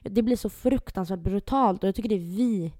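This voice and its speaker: A woman's voice: medium pitch, dry recording, clean studio sound. A young woman co-hosting a podcast, telling a story in casual chat and acting out the people she quotes. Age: young adult. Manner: animated retelling, acts out quoted voices. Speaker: podcast co-host.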